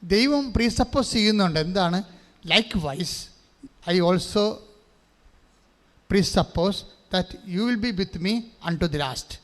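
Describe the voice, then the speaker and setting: Male preacher with a high voice and long hall reverb. Leads a call-and-response sermon, asks the crowd questions and mixes in English phrases. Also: expressive, extremely slow, pauses often. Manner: asks the congregation questions and has them repeat verses. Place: large church hall.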